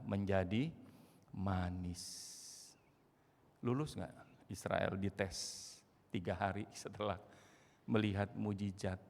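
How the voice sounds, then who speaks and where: A male pastor preaching an animated sermon with a lilt, putting questions to the congregation and bursting into loud outbursts. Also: on the low side. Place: church. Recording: long church hall reverb.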